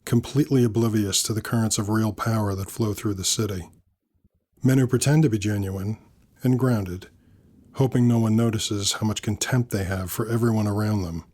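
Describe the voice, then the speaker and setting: A man narrating a scripted first-person story in a measured, dry, wry manner. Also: on the low side, a little mellow.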